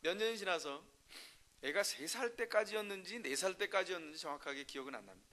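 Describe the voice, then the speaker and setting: A man delivers a sermon in a high, bright, forceful voice. He preaches through stories and keeps asking his listeners rhetorical questions. His delivery swings between hushed passages and loud, emphatic bursts. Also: lively intonation, fast. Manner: storytelling, with frequent rhetorical questions to the congregation. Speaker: pastor.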